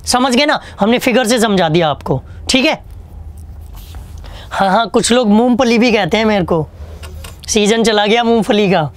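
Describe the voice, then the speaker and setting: A man's voice: sits high, moderate pace, long pauses. A man teaching an online exam-prep English lesson, chatty and joking, asking questions and answering them himself. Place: online class studio with a whiteboard.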